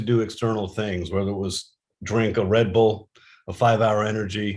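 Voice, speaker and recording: A man speaks at a fairly quick pace in a fairly low voice. The recording is very clean with a silent background. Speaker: company executive presenting products. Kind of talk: product presentation. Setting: video recording, camera. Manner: fast when excited.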